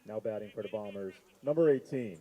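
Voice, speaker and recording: A man announcing players over a PA loudspeaker, with formal and measured introductions. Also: on the low side. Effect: heard over a PA loudspeaker. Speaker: stadium announcer.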